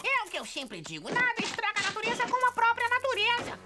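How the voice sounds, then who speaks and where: An actor voicing an excitable, easily irritated woodpecker in a dubbed cartoon, exclaiming theatrically. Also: very high voice, fast talker, over loud music. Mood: indignant.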